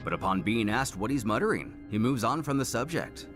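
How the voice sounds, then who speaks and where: A man narrating a scripted story recap with animated delivery and wry asides. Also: mid-range voice, a little fast. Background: faint background music.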